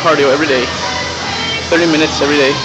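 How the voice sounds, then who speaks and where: A man speaks with clear music in the background. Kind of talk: casual vlog chat. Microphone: phone near.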